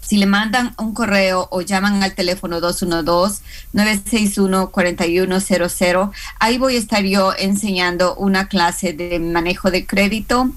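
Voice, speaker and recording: Woman with a Hispanic accent, credit class instructor; halting delivery full of fillers, mid pitch. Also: fairly even intonation. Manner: hesitant, many fillers and restarts. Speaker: small business credit instructor. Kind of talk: radio and live stream interview guest.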